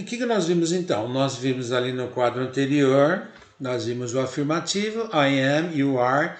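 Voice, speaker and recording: A Brazilian Portuguese-accented man gives an English lesson in a medium voice. He explains patiently and sounds out each word slowly. His voice rings in a roomy, echoing space. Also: medium pitch. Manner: explains step by step, drills English words slowly, often checks in with the class. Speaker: English teacher. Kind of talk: classroom lesson.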